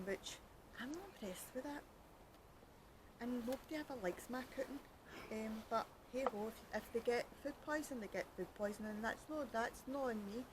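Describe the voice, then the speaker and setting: A woman's voice: medium pitch, background noise. A Scottish woman with a Glaswegian accent, hosting a podcast in a rambling, joking chat outdoors by a canal at night, cold. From Scotland. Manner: chatty, joking, self-mocking, rambling. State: cold, fingers freezing. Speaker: podcast host. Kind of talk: casual chat.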